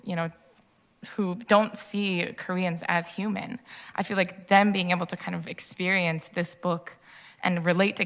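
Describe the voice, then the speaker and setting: A woman's voice: on the low side, creaky, fairly bright tone. A young woman from Japan asking a lecture question, hesitant and full of ums. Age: young adult.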